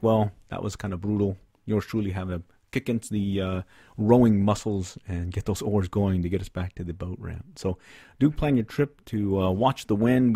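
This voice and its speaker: A man's voice: on the low side, darkish tone, no room sound. A middle-aged man hosting a fishing podcast, recapping a trip in a rambling way with many fillers and restarts, close to a studio microphone. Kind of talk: casual solo podcast recap. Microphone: studio condenser mic on stand, close.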